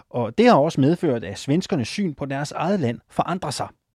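A man with a dark, mellow tone makes very wide pitch swings. The sound is dry and close with no echo, a very clean recording with a silent background. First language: Danish (speaking Swedish). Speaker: radio podcast host. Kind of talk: scripted narration.

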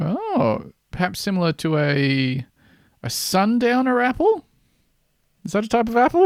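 A high-pitched man with an Australian accent, very wide pitch swings, a fairly slow pace and long, frequent pauses, in a dry, close sound with no echo. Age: 30s. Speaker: podcast co-host. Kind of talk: casual chat.

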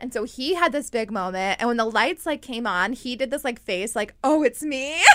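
Lively intonation and an American accent carry speech at a moderate pace with hardly any pauses, over noticeable background noise. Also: woman, high pitch for a woman. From North Carolina. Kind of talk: casual chat.

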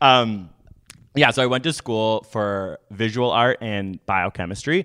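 A man has a normal speaking voice. His pitch is medium, with ordinary variation. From Canada. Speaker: tiktok creator who once took the host's sunglasses. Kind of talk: casual chat.

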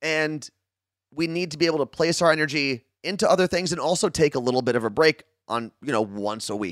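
A fairly high-pitched man with a New Jersey accent, lively intonation and a fairly quick pace, in a very clean, dry, close recording with a silent background and no echo. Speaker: podcast co-host. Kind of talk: casual chat.

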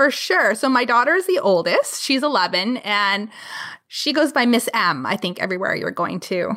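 Her tone bright and sharp, a woman with a Canadian accent moves through very wide pitch swings at a moderate pace. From Ontario, Canada. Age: 40s. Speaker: travel vlogger and family travel expert. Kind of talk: casual interview. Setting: podcast interview.

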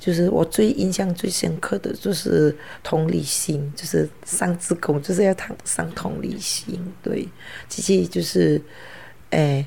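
Noticeable background noise surrounds speech delivered at a fairly slow pace. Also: woman. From Indonesia, Aceh (Sumatra). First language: Hokkien (speaking Chinese). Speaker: volunteer. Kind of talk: interview. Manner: halting.

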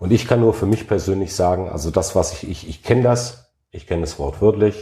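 A man speaks at a fairly quick pace with a dark, mellow tone that is somewhat breathy. His pitch varies in an ordinary way. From Germany, Lower Saxony. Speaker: mayor. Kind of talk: casual chat.

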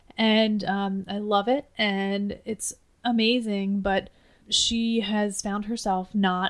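With a Pennsylvania accent, a woman talks at a very slow pace with fairly even intonation. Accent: Pennsylvania US, self-described as wonky. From Pennsylvania, US. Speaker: podcast host, marketing coach for mom entrepreneurs. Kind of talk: solo podcast talk about marketing. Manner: passionate, earnest.

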